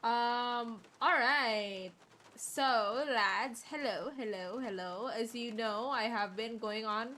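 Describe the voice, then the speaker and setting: A woman livestream host chatting casually in a rambling, hesitant way with halting sentences. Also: a little high, bright, forceful tone. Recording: music playing behind the voice. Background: clear background music.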